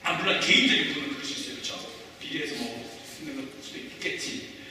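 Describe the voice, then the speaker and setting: A man's voice: fairly high pitch, fast talker, sharp tone, distant mic, slight background noise. A pastor in his forties preaching a sermon, talking conversationally and quizzing the congregation with questions, heard from off the mic in an echoey church hall. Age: 40s.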